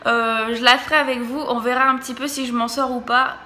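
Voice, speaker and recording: A woman's voice: fairly high pitch, little pitch movement, fairly quick, bright, forceful tone. A young pregnant woman talking casually to camera in a family vlog, chatty and hesitant with many fillers. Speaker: vlogger and childminder.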